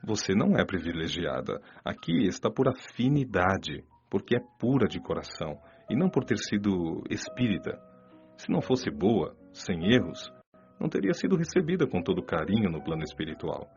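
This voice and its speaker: A man playing a patient, earnest spirit mentor in a radio drama, speaking in a measured, didactic and gently admonishing way. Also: sits low, sing-song. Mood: gently firm. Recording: dull, muffled audio under clear music. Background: music.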